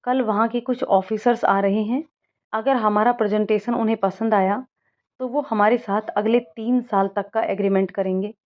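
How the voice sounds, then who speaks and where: A woman's voice: mid-range voice, natural voice. A woman voicing a young male company boss, strict but fair, in an earnest storybook reading, on a dull lo-fi recording. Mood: eager. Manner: earnest, apologetic. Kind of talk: storybook voice acting.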